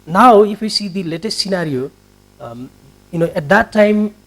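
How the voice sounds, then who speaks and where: A man from Nepal, speaking with a Nepali accent in a high-pitched, expressive, slightly bright voice at a moderate pace, serves as a television interviewer in a formal broadcast. He politely poses long, wordy questions packed with filler phrases.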